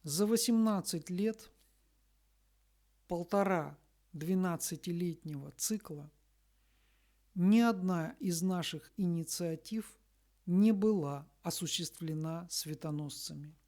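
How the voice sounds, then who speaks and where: A woman reads a scripted spiritual message in a solemn, deliberate manner, pausing between short phrases. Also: on the low side, warm tone. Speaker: spiritual messenger reading a message.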